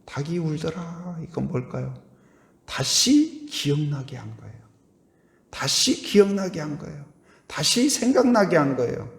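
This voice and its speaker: A man's voice: on the high side, sing-song, a little slow, vocal fry, roomy sound. A man preaching at an early morning church service, often asking the congregation questions and acting out the voices he quotes. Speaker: pastor. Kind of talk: dawn service sermon. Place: church sanctuary.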